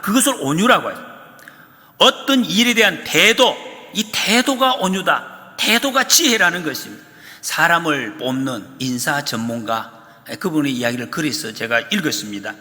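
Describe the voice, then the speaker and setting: Animated male pastor in a reverberant church. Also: high-pitched. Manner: animated storytelling, acts out quoted prayers and complaints. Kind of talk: sermon. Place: church sanctuary. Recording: long reverb of a church hall.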